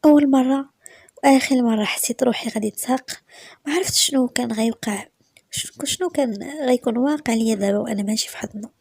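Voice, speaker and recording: Fast, soft-spoken Moroccan woman storyteller. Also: on the high side, husky, no room sound. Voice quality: soft, often whispered delivery. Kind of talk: first-person story narration.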